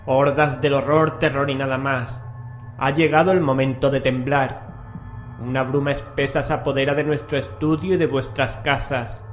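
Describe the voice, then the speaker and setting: A roomy, echoing recording with music underneath carries a man's voice of middling pitch. He has a Castilian Spanish accent and narrates horror with ominous, theatrical weight, like a radio host reading a dramatic script. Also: level tone, normal speed. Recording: roomy echo, music bed.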